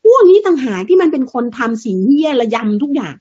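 Fiery high-voiced woman, lo-fi sound. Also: very animated, fast talker, dark tone. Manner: fiery, blunt, crude and mocking, rhetorical questions. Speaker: political commentator. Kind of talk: impassioned political monologue. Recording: dull lo-fi sound.

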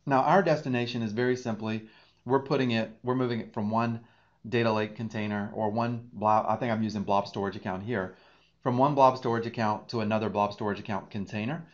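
A man in his thirties teaching a screen-share software tutorial, walking through each click as he goes. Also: fairly low pitch, steady tone, fairly quick, highs cut off. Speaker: data engineering instructor.

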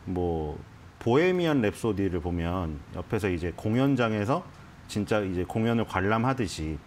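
Guesting in a TV studio, a male stock analyst gives conversational market commentary on a financial program, explaining stocks with frequent restarts. His lowish voice is sing-song and a little mellow at normal speed, with slight background noise.

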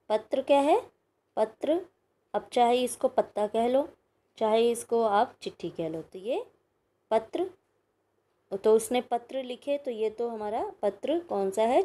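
A woman's voice: a little high, mellow. A woman teacher giving a recorded grammar lesson to young pupils, patient and explaining step by step with frequent checking questions. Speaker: school teacher.

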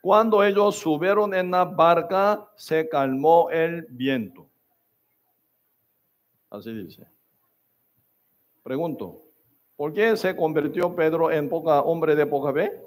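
A man preaching a sermon in short, emphatic phrases, often checking with the congregation with quick questions. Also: on the high side. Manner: keeps asking the congregation "¿verdad?" and "¿sí o no?".

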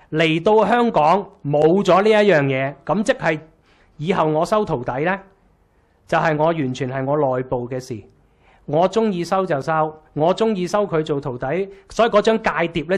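A man in his thirties with a Hong Kong Cantonese accent gives a casual, wry lecture in a small room, full of rhetorical questions. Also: a little high.

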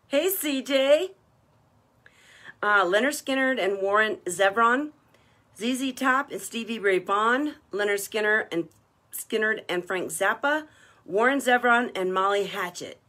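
A woman's voice: mid-range voice, sharp tone. Chatty woman gushing over jewelry. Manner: chatty and gushing, praising each piece. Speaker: jewelry seller hosting a live online party. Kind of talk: live-stream sales chat.

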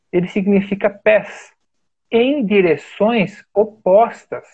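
Through thin, phone-like online call audio, a study group teacher with a Brazilian Portuguese accent explains Chinese characters step by step, gesturing to items on screen. His voice sits high with a breathy edge, the recording is dry, and "né?" comes up frequently.

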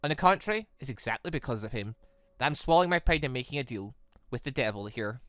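A bitter young woman from a fantasy visual novel, acted out by a man. The delivery is cold, guarded and measured, with a bright edge and a dry, close sound. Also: medium pitch, expressive, dry recording, pitched below the performer's own voice, lightly acted. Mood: resolute, grave.

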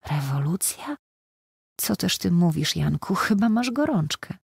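A gentle, devout young nurse in an audiobook, as the reader voices her, compassionate but plain-spoken. The voice is husky, with a gravelly edge, recorded close and dry. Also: fairly low pitch, very animated, unhurried, no room sound, pitched above the performer's own voice, exaggerated voice. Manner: gentle, matter-of-fact.

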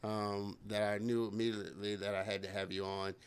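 A man's voice: lowish voice, level tone, fairly quick, smooth. A man in his fifties hosting a live-streamed interview from a home studio, talking enthusiastically and repeating words. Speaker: host. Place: home studio with colorful lighting. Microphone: studio mic on boom arm.

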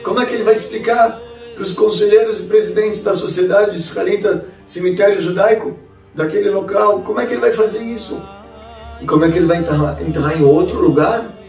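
A man's voice: sits high, steady tone, fairly quick, a little mellow. A man with a Brazilian Portuguese accent, a rabbi telling a story dramatically with rhetorical questions. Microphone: distant mic. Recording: roomy, distant mic, faint music.

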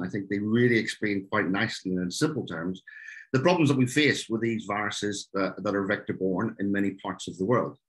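A man's voice: lowish voice, poor audio. A man from Ireland with an Irish accent, giving an earnest webinar talk with frequent fillers over a video call. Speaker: speaker.

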